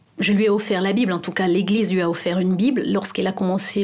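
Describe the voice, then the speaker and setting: A woman talks at a very fast pace and medium pitch. Noticeable background noise runs behind her. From Cameroon. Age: 40s. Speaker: pastor. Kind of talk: testimony. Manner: hesitant, frequent filler sounds.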